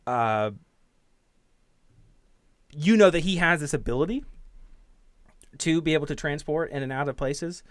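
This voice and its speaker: A man narrating a tabletop game as game master in an informal, halting, self-deprecating way, improvising as he goes. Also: a little high, dry recording, clean studio sound. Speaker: game master and podcast host. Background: background music.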